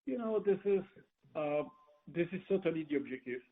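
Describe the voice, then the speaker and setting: A man speaking as a company executive answering questions on an earnings call, often pausing and repeating his words as he rephrases. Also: fairly high pitch, lively intonation. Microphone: conference call line. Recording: tinny, narrow phone conference line.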